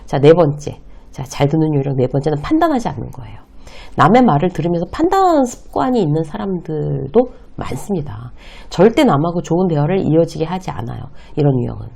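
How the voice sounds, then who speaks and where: A woman's voice: deep voice, very animated, fast talker, gravelly, mellow. A middle-aged woman giving a lecture on workplace communication, explaining point by point and acting out short example lines. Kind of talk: lecture to camera.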